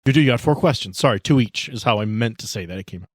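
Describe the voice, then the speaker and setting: A man's voice: mid-range voice, animated, quick pace, breathy edge, dry recording, studio quality. A man narrating as game master of a tabletop game, describing scenes casually with asides and restarts.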